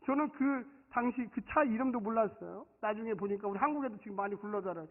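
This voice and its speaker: A middle-aged man from South Korea with a Daejeon-region accent, preaching a sermon as pastor, telling stories dramatically and swinging from quiet to shouting. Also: high voice, fast talker. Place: church sanctuary. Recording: tinny, phone-like sound with long hall reverb.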